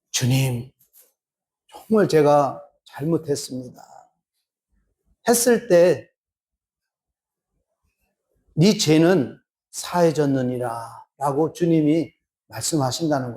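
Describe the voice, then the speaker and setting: Male pastor, sermon in a church, unhurried delivery, acts out dialogue. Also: a little high, dark tone. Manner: slow, drawn-out preaching with acted-out dialogue. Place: church sanctuary.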